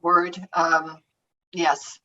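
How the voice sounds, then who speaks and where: A woman's voice: fairly low pitch, monotone, drawn-out words, bright, forceful tone, slight background noise. A Canadian woman, an author, chatting casually about her life and books, often laughing and trailing off mid-thought. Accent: Canadian English. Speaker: author answering audience questions. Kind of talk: casual conversational answers. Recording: distant, dull lo-fi remote audio.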